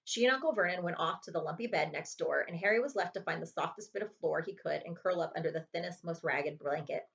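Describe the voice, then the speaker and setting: A woman reading a children's chapter book aloud as an expressive storyteller, like a librarian at story time. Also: on the low side, fast talker, vocal fry, few pauses, dull audio. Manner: expressive storytelling with character voices.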